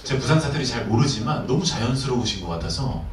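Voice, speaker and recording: A man moderating a film Q&A, asking polite questions in a lively way. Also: mid-range voice, fast talker, slight background noise. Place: cinema hall with audience. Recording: echoey cinema hall from far off.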